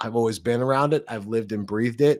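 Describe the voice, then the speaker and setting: In a very clean recording with a silent background, a man with a normal speaking voice talks at a medium pitch with fairly even intonation, the sound dry and close with no echo. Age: 40s. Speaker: sales strategist and speaker. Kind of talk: interview conversation.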